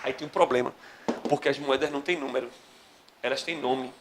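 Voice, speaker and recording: A man's voice: medium pitch, brisk, heavy background noise. A man, teaching a history class and telling a comic story, acting out the other voices. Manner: animated storyteller, acts out voices. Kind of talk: classroom lecture with comic anecdote.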